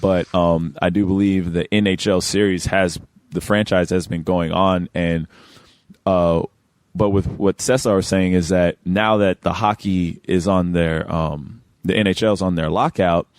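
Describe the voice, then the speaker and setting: A man's voice: deep voice, fairly even intonation, a little slow, dry recording. A young man from Houston reviewing a video game in a casual panel chat, laughing often and rambling with fillers. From Houston, Texas.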